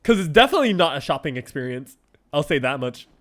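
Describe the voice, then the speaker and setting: Lively high-voiced young man streaming. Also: quick pace. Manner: animated, laughs often, heavy use of "like". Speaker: game streamer. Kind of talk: casual livestream chat answering viewers.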